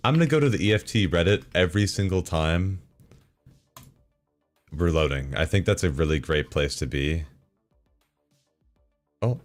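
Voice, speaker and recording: A deep-voiced male streamer chatting casually as he reads forum posts aloud while his game loads. He drops dry, sarcastic remarks and chuckles between lines, with soft music in the background. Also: lively intonation, moderate pace, long pauses.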